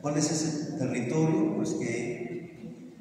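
A man's voice: fairly high pitch, expressive, crowd noise. A middle-aged man with a Mexican accent giving an emphatic, argumentative talk at a conference, posing questions and answering them himself. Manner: emphatic, deliberate, poses and answers own questions. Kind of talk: extemporaneous public lecture, argumentative. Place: large brick-walled meeting hall with PA speaker. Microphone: handheld PA microphone, recorded from a far camera. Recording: very echoey hall, distant camera, faint noise.

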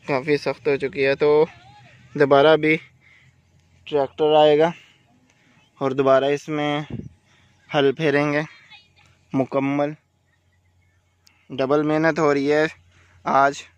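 A young man calmly explaining farm work to viewers in a casual vlog, recorded outdoors in an open field on a handheld phone. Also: on the high side, slow, long pauses, smooth, highs cut off. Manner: calm, explanatory, pointing things out to the viewer. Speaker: vlogger.

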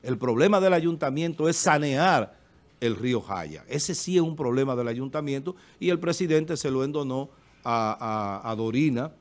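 Middle-aged dominican guy on a tv talk panel, emphatic, lots of eh's, studio desk mic. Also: mid-range voice. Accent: Dominican Spanish. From Dominican Republic. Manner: emphatic, gestures with hands, repeats filler eh. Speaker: panelist on a local TV talk show. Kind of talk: opinionated political commentary. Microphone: desk studio microphone.

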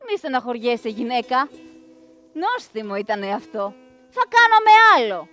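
A woman's voice: a little high, very animated, pushed and bright, soft background music. A woman storyteller voicing a greedy, callous tyrant god and father who blusters and mocks. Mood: mocking. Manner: blustering, mocking. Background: faint live plucked strings.

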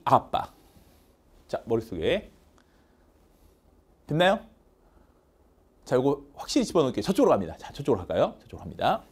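A man teaching English vocabulary in a lively lecture, chanting word lists over and over and acting out little skits. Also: medium pitch.

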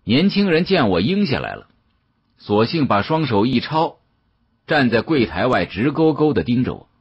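Male audiobook narrator, strongly husky, dull recording, dramatic first-person delivery. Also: mid-range voice, sing-song, normal speed.

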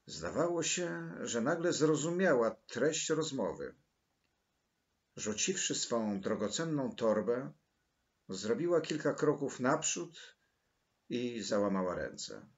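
A man narrating a novel chapter in a measured, deliberate storytelling manner. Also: medium pitch, sing-song, highs cut off. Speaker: audiobook narrator. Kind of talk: scripted literary narration.

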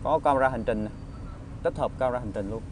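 A man with a southern Vietnamese accent giving an informal used car salesman's walkaround pitch, halting often with hesitations and tag words. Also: darkish tone. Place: outdoor car lot, partly inside a car. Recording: outdoor phone recording with traffic ambience.

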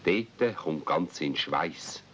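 A man's voice: rumbling low, expressive, drawn-out words, a bit bright, husky, exaggerated voice. A man narrating a children's radio play as a storyteller, speaking Swiss German. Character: male storyteller of a children's tale. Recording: muffled, noisy old 1970s audio play recording.

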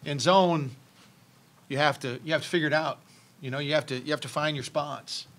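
A middle-aged man coaching a college basketball team fields questions after a game. He talks into a table mic in a press room, pausing, restarting and filling gaps with ums as he works out his answers. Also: fairly high pitch, fairly even intonation, fairly bright tone. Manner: halting, many restarts and ums, thoughtful. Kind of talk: postgame press conference. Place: press room with logo backdrop, seated at table. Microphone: table mic on stand.

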